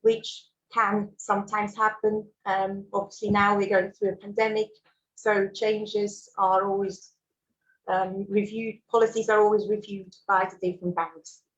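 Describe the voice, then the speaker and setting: A woman's voice: mid-range voice, level tone, measured pace, highs cut off. A Swiss woman whose first language is German, presenting a mortgage webinar in a friendly way with fillers and small laughs. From Switzerland. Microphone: video call.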